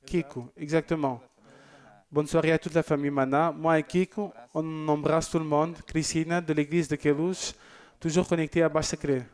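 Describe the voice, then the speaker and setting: A man's voice: a little high, level tone, normal speed. Chatty man hosting a church broadcast. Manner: chatty and joking, with loose asides. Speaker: church TV presenter. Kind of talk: casual broadcast chat reading viewer messages.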